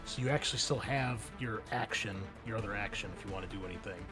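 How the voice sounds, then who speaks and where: A man's voice: lowish voice, fast talker. Casting: male game master, conversational and encouraging, improvising tabletop narration over light background music. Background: music under the voice.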